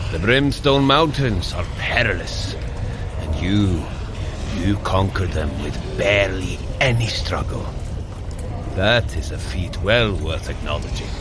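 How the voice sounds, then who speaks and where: An actor playing a hearty, commanding Norse warrior god in a fantasy audio drama, speaking in a grand, formal manner. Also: male voice, medium pitch. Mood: proud, encouraging. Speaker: actor in an audio fitness adventure.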